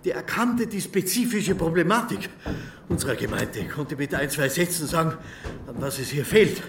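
An actor playing a talkative small-town mayor who rambles and chuckles while showing a visitor the view. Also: male voice, fairly high pitch, animated, normal speed, noisy background. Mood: proud. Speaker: local official guiding a visitor.

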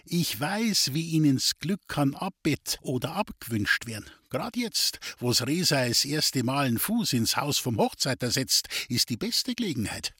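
A man's voice: mid-range voice, sing-song, a little slow, few pauses, pushed and bright, breathy edge, no echo, clean studio sound, pitched above the performer's own voice, full character voice. A man voicing a sly, scheming male vagabond trickster in an audiobook, coaxing and insistent in dialect. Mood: wheedling. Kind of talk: audiobook character reading.

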